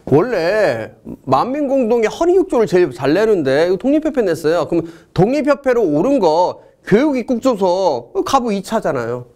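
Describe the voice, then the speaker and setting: Middle-aged guy lecturing on history exam answers, jokey, pitch jumping all over. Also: normal speed, few pauses. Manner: jokey, excitable, chatty asides to students.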